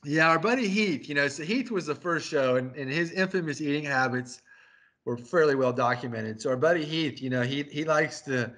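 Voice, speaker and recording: A man's voice: fairly high pitch, moderate pace, fairly bright tone. Chatty man telling a story. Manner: rambling storyteller, laughing often. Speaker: crew chief interviewing his race engineer. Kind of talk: casual chat interview.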